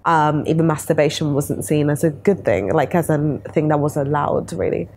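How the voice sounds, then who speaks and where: A young woman with a low, deep-set voice speaks candidly as a panel guest. She talks in a loose, chatty way, often laughing at herself. The sound is a clean seated studio interview. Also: moderate pace, gravelly, background noise. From Italy. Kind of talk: casual discussion. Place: bright studio room, city view.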